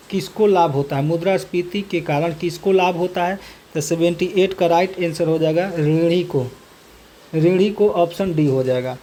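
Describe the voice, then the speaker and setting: Mellow-voiced teacher repeating exam questions. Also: medium pitch, slight background noise. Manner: reads each question twice, then states the answer in a set phrase. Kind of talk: reading and solving quiz questions.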